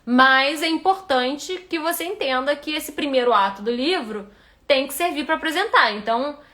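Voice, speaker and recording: A woman's voice: sits high, lively intonation, normal speed, bright, forceful tone. A woman with a Rio de Janeiro accent, a writing instructor giving a live critique of a reader's manuscript and thinking aloud with frequent restarts. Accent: Rio de Janeiro Portuguese.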